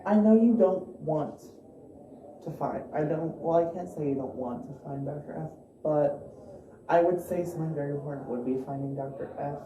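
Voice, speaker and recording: A woman playing an excitable, eager internet sleuth with an emphatic manner in found-footage style. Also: low-pitched, moderate pace, distant mic, lo-fi sound, natural voice. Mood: earnest. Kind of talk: improvised found-footage acting. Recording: echoey, noisy room, off the microphone.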